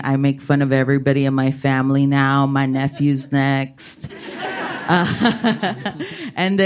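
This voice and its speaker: South texas lady comic chatting on a panel, smooth clear voice, laughs a lot. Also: rumbling low. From Laredo, Texas. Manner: chatty, laughing between thoughts. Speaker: stand-up comedian on a panel. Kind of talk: casual panel conversation.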